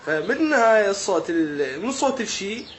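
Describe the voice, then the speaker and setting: A man's voice: high-pitched, sing-song, fairly quick, a little hiss or hum. A man with an Iraqi accent, doing a playful, joking vlog monologue to his viewers in a mock-puzzled way. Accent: Iraqi Arabic. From Iraq. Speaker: vlogger.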